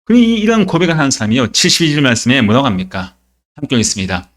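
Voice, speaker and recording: Lively man preaching a sermon. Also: medium pitch, very fast. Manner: emphatic, asks rhetorical questions and answers them. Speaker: pastor. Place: church.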